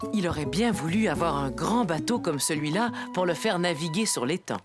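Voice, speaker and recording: A woman playing a gentle storyteller, narrating a children's cartoon in a storybook manner. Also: sits low, animated, normal speed, music in the background. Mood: soothing.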